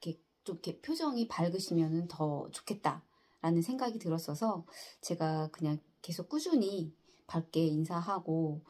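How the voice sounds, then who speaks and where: Middle-aged woman, earnest vlog storyteller, low mellow voice, halting delivery. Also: expressive. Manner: soft, earnest, halting with many fillers. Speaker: insurance agent. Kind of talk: casual personal storytelling.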